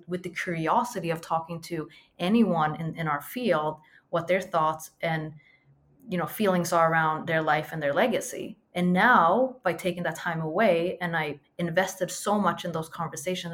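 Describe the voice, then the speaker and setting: Interview guest: woman, Swedish accent mostly Americanized, lowish register, thoughtful and emphatic. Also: a bit bright. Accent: Swedish, mostly American-sounding. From Sweden. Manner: earnest, reflective, emphatic repetitions. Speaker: podcaster guest. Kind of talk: conversational interview.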